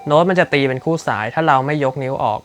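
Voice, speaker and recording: A man's voice: fairly high pitch, steady tone, fast talker. A man teaching a rock guitar solo lick, explaining technique politely with frequent fillers. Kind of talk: casual instructional talk. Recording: guitar playing behind the voice. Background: loud electric guitar music.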